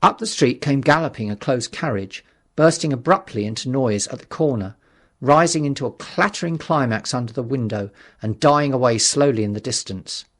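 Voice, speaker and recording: A man narrating a literary audiobook in a measured, dramatic storytelling manner. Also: medium pitch, animated, a bit bright.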